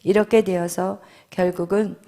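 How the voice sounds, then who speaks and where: A woman pastor giving a sermon, reading scripture aloud in a loud, formal voice and preaching in a conversational tone. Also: on the low side, fairly even intonation, moderate pace, slight background noise.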